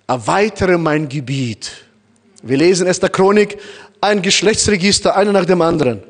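A man's voice: sits high, normal speed. A man born in Kazakhstan preaching a sermon in German with a noticeable foreign accent, addressing the congregation directly and acting out little scenes. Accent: Kazakh-born, speaking German with a noticeable foreign accent.

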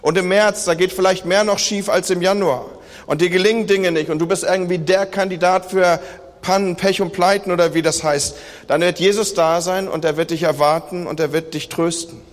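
A man's voice: high voice, steady tone, fairly quick. A man preaching a sermon, addressing his congregation directly in an earnest, repetitive way. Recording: long hall reverb.

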